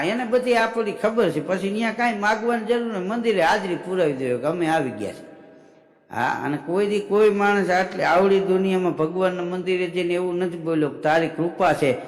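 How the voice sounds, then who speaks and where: A man's voice: sits high, very noisy. A man telling folk comedy stories on stage, acting out the characters in quoted voices. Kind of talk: live folk comedy storytelling. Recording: echoey hall with long reverb.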